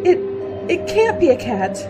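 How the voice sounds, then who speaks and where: A woman's voice: very high-pitched, sing-song, normal speed. A woman playing an anxious, hesitant college girl in a radio horror drama. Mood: anxious, insistent. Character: frightened, persistently questioning college girl. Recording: music behind the voice.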